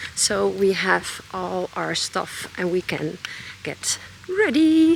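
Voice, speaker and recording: A woman is speaking. She has a Dutch accent. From Netherlands. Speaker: horse trainer. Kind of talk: casual vlog narration. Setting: outdoors at stables. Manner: hesitant, many fillers.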